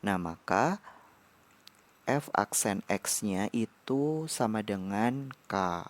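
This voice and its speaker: Slow, low-voiced male math tutor. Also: animated. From Indonesia. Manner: measured, pauses between short phrases. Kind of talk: slow explanatory lecture.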